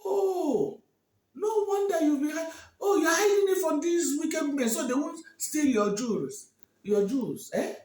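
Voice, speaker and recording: A man doing a booming proud king. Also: slow pace, long pauses, roomy sound. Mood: delighted. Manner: commanding, booming. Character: proud angry king of a village kingdom.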